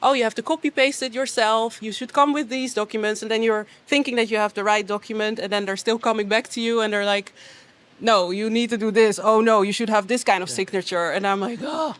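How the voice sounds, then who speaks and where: A woman's voice: a little high, steady tone, brisk. A woman in a street interview, venting with exasperation and acting out what officials told her. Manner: exasperated, acts out quoted officials.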